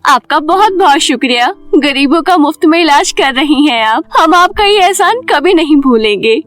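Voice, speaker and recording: A woman's voice: sits high, expressive, moderate pace, a bit bright. A woman voicing a humble, remorseful mother in a cartoon moral story. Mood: grateful. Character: humble, remorseful stepmother, pleading mother of sick boy.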